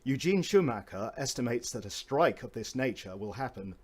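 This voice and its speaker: A man with a medium-pitched voice narrates a documentary from a script. His delivery is formal and measured, in the manner of a storyteller laying out an account. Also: expressive, husky.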